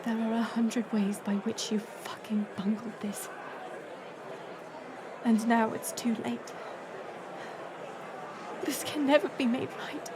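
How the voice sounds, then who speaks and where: Woman as fiery young princess, highish voice, indignant, sarcastic, audio drama, banquet crowd behind. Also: steady tone, takes it slowly, pauses often, background noise. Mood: betrayed, bitter. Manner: indignant, biting, swearing. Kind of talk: dramatic audio roleplay acting. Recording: music and crowd murmur behind. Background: music and banquet crowd.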